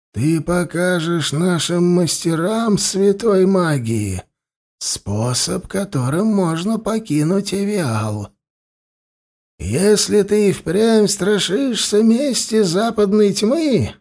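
A man voicing a calm, scheming old male high priest who speaks with soft, measured insistence. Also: exaggerated voice.

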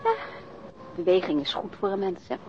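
A woman's voice: on the low side, normal speed, darkish tone, slightly rough, faint music behind. An actress playing a policeman's affectionate, teasing girlfriend in a radio drama, playful and familiar. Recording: muffled radio drama recording with noise.

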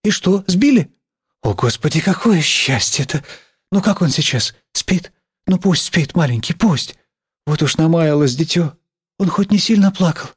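A man reading an audiobook, voicing a middle-aged woman schoolteacher who is excitable and quick to anger, in a raised, shrill, scolding voice. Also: breathy edge, dry recording, clean studio sound, heavily acted. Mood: fussing. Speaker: teacher.

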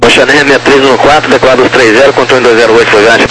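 A man's voice: medium pitch, steady tone, racing. A man with a Brazilian accent, an air traffic controller giving procedural instructions over aviation radio. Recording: noisy aviation radio channel.

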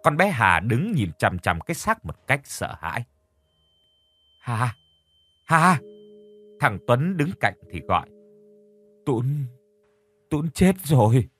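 A man narrating a horror audio story in a steady storytelling manner, acting out the characters' lines. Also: mid-range voice, moderate pace.

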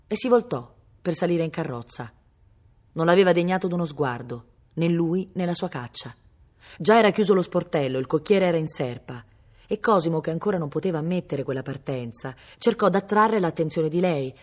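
A woman from Italy reading a novel aloud for a library, telling the story expressively and lifting her voice high and loud for the shouted lines. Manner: expressive storytelling, raising pitch and volume sharply for quoted shouts; slows down on tense moments, hisses the cat's sounds. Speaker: volunteer reader for a public library.

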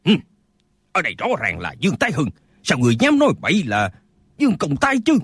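A man's voice: a little high, huge pitch swings, fast, fairly bright tone, breathy edge, no room sound, studio quality, full character voice. A man voicing an irritable, hot-tempered old martial-arts eccentric who snaps at his brothers. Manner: irritable, snapping.

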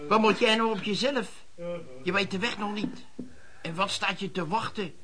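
A man's voice: high-pitched, normal speed, a crowd in the background, close to an everyday voice. An actor playing a fatherly, concerned boss of a lodging house in a radio play, coaxing and colloquial. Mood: worried, coaxing. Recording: noisy old radio play recording.

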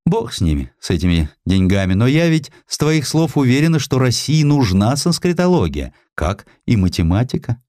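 A man plays a gentle, devoted wife in an audiobook drama. The lines are soft and concerned, with animated, lilting pitch. The recording is close and dry. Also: normal speed, hardly any pauses, no room sound, close to an everyday voice. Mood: reassuring. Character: scholar's wife, gentle, worried, devoted older woman.

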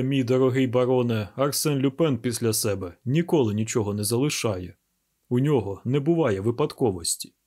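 A man voicing a gruff, stubborn police inspector who grumbles and talks slowly and heavily. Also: mid-range voice, a little mellow, natural voice. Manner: gruff, grumbling, slow and heavy.

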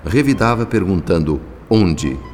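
An actor playing a solemn, compassionate spirit who narrates a radio drama in a measured, literary, dramatic manner. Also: male voice, low-pitched, expressive, darkish tone, slight background noise. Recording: long reverb, music behind the voice.

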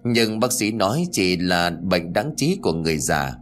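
A male storyteller reads a scripted tale in a lowish voice. His delivery is expressive and dramatic, with pitch that rises and falls a lot. Soft music plays faintly underneath. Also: normal speed.

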